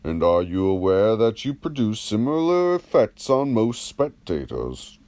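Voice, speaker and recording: A man reading the part of a probing, measured philosopher in an audiobook of a classical dialogue, teaching through rhetorical questions. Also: on the low side, big pitch swings, darkish tone. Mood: didactic.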